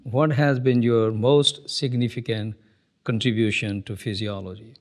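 An older man interviewing a former colleague, asking measured, friendly questions in a studio. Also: mid-range voice, steady tone. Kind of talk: oral history interview. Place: dark studio set, indoors.

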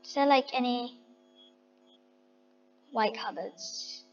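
High-pitched girl thinking out loud while she decorates a game house, dull lo-fi sound with a long echo, faint music behind. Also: slow. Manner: chatty, thinking aloud, talks to viewers as guys. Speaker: vlogger. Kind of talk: casual game commentary.

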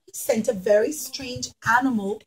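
A middle-aged woman telling a story to young children in a classroom, explaining simply and deliberately. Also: a little high, slightly rough, low-quality recording. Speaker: children's teacher telling a Bible story with puppets. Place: small classroom, indoors.

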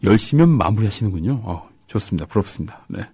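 Low husky halting male radio host. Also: expressive, warm tone, dry recording. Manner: halting, with gaps between words and syllables. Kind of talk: casual radio talk reading listener comments.

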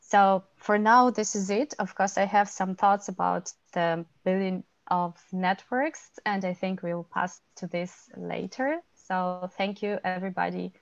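A woman's voice: medium pitch, fairly even intonation, unhurried, gravelly, few pauses, no room sound. A woman around thirty with a Ukrainian accent, presenting semi-prepared remarks on a panel over an earphone microphone. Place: small office, video call. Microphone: wired earphone microphone. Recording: dull video-call audio.

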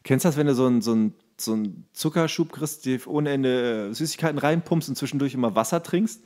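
A man's voice: mid-range voice, fairly quick, darkish tone. A man with a mid-range voice chats casually as a podcast co-host. His talk is slangy, crude and full of jokes, in a loose comedic style. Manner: crude, colloquial, jokey.

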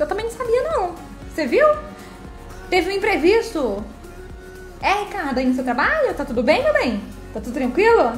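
Her voice is high and fairly bright. In a playful, chatty live stream, she reads the chat aloud and teases her viewers, while faint music plays behind her in an echoey room.

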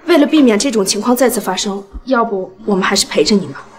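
A deferential woman aide played by an actress speaks dutifully in a screen drama. Her voice is mid-pitched over faint background noise. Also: fast talker, a little mellow, natural voice.

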